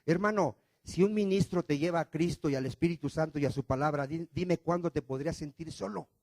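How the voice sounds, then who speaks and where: A male pastor with a fairly high pitch delivers a sermon at a fairly quick clip, with no echo on the recording. He peppers the congregation with rhetorical questions and shifts back and forth between loud emphasis and quieter lines.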